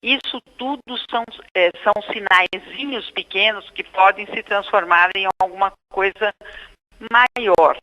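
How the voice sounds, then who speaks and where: A woman's voice: mid-range voice, a little slow, pushed and bright, lo-fi sound. A middle-aged woman with a Brazilian Portuguese accent, a speech therapist guest on a radio show, explaining in a didactic way.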